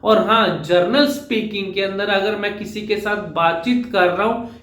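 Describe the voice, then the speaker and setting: A man's voice: high-pitched, moderate pace, fairly bright tone, reverberant. A man from India, speaking, coaching public speaking in a direct-to-camera lesson, explaining patiently, repeating his points and dropping in English phrases.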